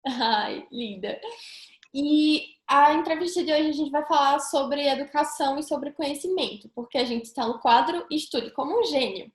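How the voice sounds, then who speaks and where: Upbeat high-voiced Brazilian host. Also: female voice, moderate pace, roomy sound. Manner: upbeat, chatty. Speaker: YouTube host, interviewer. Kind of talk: casual interview.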